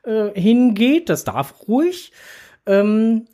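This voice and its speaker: A man's voice: high voice, very animated, slow pace, dark tone. Rambling man hosting a podcast. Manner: rambling, many fillers and restarts. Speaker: podcast host. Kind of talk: casual podcast chat.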